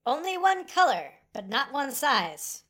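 A game master voicing a magical brass door knocker that asks riddles in a sing-song voice. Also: male voice, very high voice, sing-song, measured pace, sharp tone, voice pushed up, exaggerated voice.

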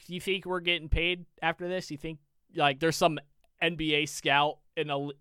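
A young man co-hosting a podcast, telling a long story in a casual, animated, profane way with many restarts. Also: fairly high pitch, smooth, dry recording, clean studio sound. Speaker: podcast co-host.

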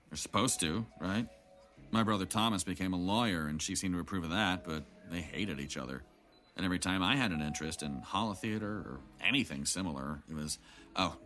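A man's voice: deep voice, a bit bright. A man playing a jaded, guarded middle-aged man in an audio drama, with wry, reflective delivery. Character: jaded, guarded older man, bitter about his family. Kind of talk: naturalistic audio drama acting. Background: background music.

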